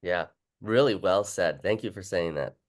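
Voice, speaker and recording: A man with a low voice hosts an informal interview. He speaks in an everyday, conversational way, as in a casual chat with a guest. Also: normal speed. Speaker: host and book author.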